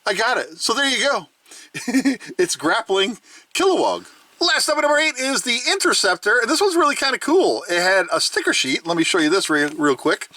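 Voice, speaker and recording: A man with a high, bright voice chats casually as the host of a toy review. His delivery swings up and down with playful enthusiasm, as if showing things off to a friend. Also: big pitch swings, moderate pace, dry recording. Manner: enthusiastic, chatty, playful joking. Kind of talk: casual review chat to camera.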